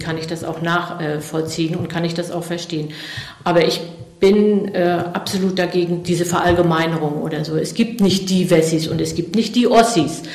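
A woman's voice: lowish voice, a little mellow, reverberant. A middle-aged woman from eastern Germany answering interview questions thoughtfully, with many fillers and restarts. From East Germany.

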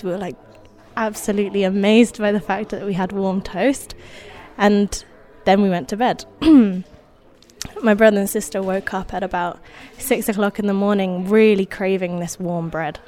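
A woman born in Indonesia, whose first language was Indonesian, telling a personal story in an unhurried, wry way with soft laughs. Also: medium pitch.

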